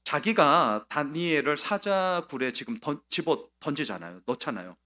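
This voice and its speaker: A man preaching a sermon as pastor, acting out quoted lines with sudden swings from soft to loud. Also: a little high, lively intonation, moderate pace. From South Korea. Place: church sanctuary.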